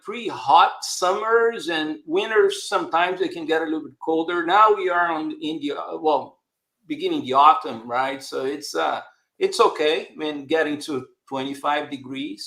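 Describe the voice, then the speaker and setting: A man's voice: on the high side, normal speed, vocal fry, pushed and bright. A man from Brazil with a Brazilian accent, answering interview questions conversationally and hesitantly, often tagging his phrases. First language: Portuguese. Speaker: interview guest, telecom marketing director. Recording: echoey room sound.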